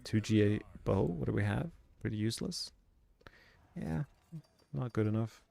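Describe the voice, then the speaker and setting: A man's voice: fairly low pitch, lively intonation, moderate pace, creaky, warm tone. A man from Sweden with a light Swedish accent, chatting casually on a live stream as he plays, rambling along with plenty of fillers. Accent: Swedish, lightly softened. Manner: rambling, filler-heavy, musing aloud. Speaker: game streamer. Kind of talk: casual live-stream chat over gameplay.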